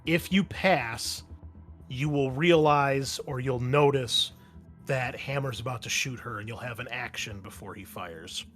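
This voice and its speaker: A man's voice: mid-range voice, unhurried, fairly bright tone, faint music behind. A man running a tabletop roleplaying game, explaining action and rules in a casual, profane way. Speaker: game master.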